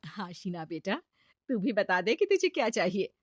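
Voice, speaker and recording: A woman voicing a kind middle-aged mother-in-law who speaks softly and gently. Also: medium pitch, animated, measured pace, no room sound, clean studio sound. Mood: gentle.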